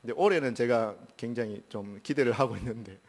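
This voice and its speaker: A middle-aged man, preaching a sermon as pastor in a church and building to loud, high emphasis. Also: brisk. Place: church sanctuary.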